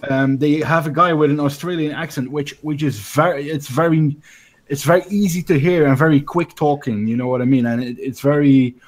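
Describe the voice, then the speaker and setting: A man's voice: a little high, fairly even intonation, a little fast. A man on a casual gaming podcast, blunt and joking, stumbling on fillers when he makes a point. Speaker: podcast guest.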